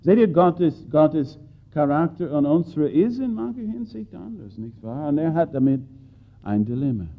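A man preaching a sermon, swinging between loud bursts and hushed lines and putting questions to his listeners. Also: a little high, very animated, normal speed. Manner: addresses listeners directly with questions. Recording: tinny phone-like audio.

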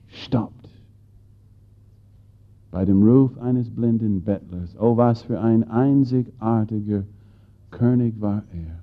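A man preaching a sermon, swinging between loud bursts and hushed lines and putting questions to his listeners. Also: medium pitch. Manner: addresses listeners directly with questions. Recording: tinny phone-like audio.

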